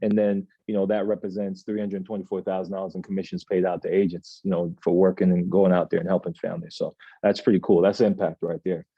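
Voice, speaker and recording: A man in his thirties hosting an office team meeting, reading out announcements in a relaxed, chatty way with plenty of filler sounds. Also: deep voice, quick pace, hardly any pauses, husky, no room sound, dull audio. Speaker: agency meeting host. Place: office meeting room, indoors.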